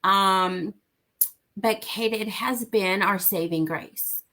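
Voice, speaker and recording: A woman's voice: mid-range voice, slow pace, bright, forceful tone. A woman from Mexico, a parent of an autistic son, talking earnestly as a guest in a casual interview and repeating her key points for emphasis.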